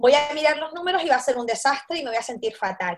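With a Canarian accent, a woman speaks at a very fast pace in a high pitch with ordinary pitch variation. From Canary Islands. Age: 40s. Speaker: financial education mentor. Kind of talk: interview.

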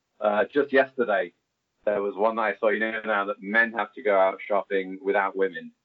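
A man at a fairly low pitch, with fairly even intonation and a moderate pace, over music in the background. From England. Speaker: guest. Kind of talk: casual interview chat.

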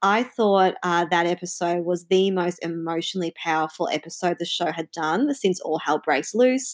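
With an ordinary speaking voice, a woman talks at a fairly low pitch and moderate pace with ordinary pitch variation and hardly any pauses, in a dry, close recording with no echo. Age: 30s. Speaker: listener leaving voicemail. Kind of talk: voicemail message.

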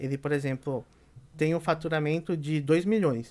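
A man with a plain, everyday voice speaks at a fairly high pitch and moderate pace on a very clean recording with a silent background. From Brazil, Curitiba (born Mogi das Cruzes, São Paulo). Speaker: restaurant consultant and chef. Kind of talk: casual podcast interview.

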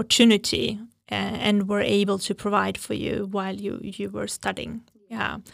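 A woman with an unremarkable speaking voice, medium in pitch, talks at a moderate pace, recorded dry and close with no echo, very clean, over a silent background. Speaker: podcast host. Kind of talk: interview, casual chat. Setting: studio.

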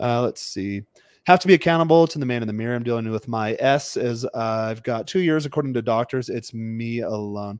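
A man with an American accent speaks at a fairly quick pace in an ordinary speaking voice with ordinary pitch variation, in a very clean recording with a silent background. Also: medium pitch for a man. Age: 30s. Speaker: dating and lifestyle coach. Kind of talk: casual chat. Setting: live stream.

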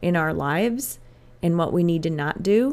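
A woman of medium pitch talks at a fairly slow pace in a plain, everyday voice, on a very clean recording with a silent background. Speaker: podcast host. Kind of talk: solo podcast monologue. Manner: casual, conversational.

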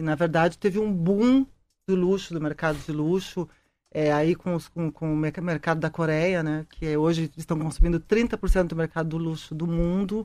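Speaking at a moderate pace, a woman has a dark, mellow tone, fairly low pitch and fairly even intonation. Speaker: author and fashion journalist. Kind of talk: radio interview. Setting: studio.

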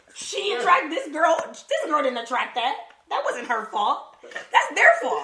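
A woman with an American accent speaks in a high, raised, projected voice at a fairly slow pace. Her pitch swings very widely, and background noise is noticeable. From Detroit. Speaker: actress. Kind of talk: casual chat.

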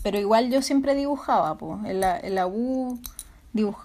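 A woman talks at a moderate pace in a fairly high pitch. She has a Chilean accent. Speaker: illustrator and ceramicist. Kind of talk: casual interview chat.

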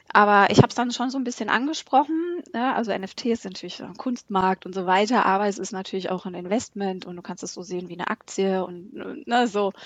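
Using a plain, everyday voice, a woman talks fairly quickly at a medium pitch with ordinary pitch variation, big swings in loudness and hardly any pauses. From southwest Germany (Freiburg). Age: 40s. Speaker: entrepreneur. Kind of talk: casual interview.

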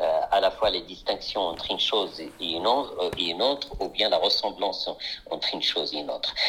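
A man speaks with a Moroccan accent. His pace is moderate. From Morocco, Fès. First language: Moroccan Arabic (speaking French). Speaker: poet and translator. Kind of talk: interview. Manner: halting, many repeated words.

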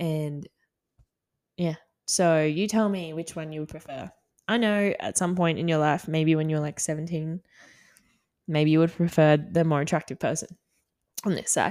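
A woman talks at a moderate pace with an Australian accent and fairly even intonation. Her pitch is fairly low, and her pauses are long and frequent. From Australia, Gold Coast. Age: 20s. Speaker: podcast host. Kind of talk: casual solo podcast monologue. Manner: hesitant, many fillers and laughs.

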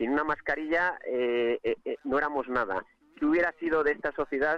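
Recorded dry and close with no echo, a man speaks at a fairly high pitch with ordinary pitch variation. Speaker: farmer. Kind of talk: live phone interview. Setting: outdoors at a tractor protest. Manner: halting.

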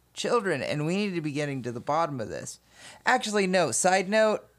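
In a very clean recording with a silent background, a man talks with lively intonation. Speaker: podcast host. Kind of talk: casual chat.

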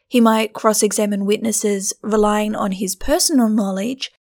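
With an Australian accent, a woman speaks at a moderate pace and a fairly high pitch, with ordinary pitch variation, on a very clean recording with a silent background. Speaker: lawyer and legal podcast host. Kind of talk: scripted-style explanation of legal cases, solo podcast. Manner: apologetic, careful to avoid difficult words.

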